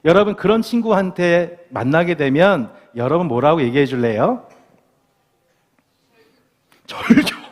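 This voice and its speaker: A male pastor preaches with a fairly high, lively voice that swings up and down as he quizzes the congregation. His delivery is playful and animated. The sound carries a long church-hall reverb from a live service recording. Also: normal speed. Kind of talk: sermon. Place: church sanctuary.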